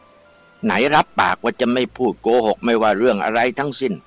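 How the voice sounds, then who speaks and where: A man voicing a strict, disapproving old mother-in-law in a told folktale, speaking slowly and scoldingly. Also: medium pitch, no echo, soft background music, lightly acted. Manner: slow, scolding.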